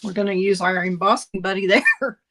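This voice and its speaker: A woman's voice: medium pitch, brisk, bright, forceful tone. A woman teaching card making in a casual tutorial, chatty and self-correcting, with a slight cough now and then. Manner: chatty, self-correcting, laughs at own jokes.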